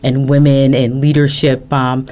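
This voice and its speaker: Low-voiced woman co-host. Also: little pitch movement, a little slow, warm tone. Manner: affirming, frequent backchannels, many fillers. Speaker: radio show co-host. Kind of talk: casual radio talk.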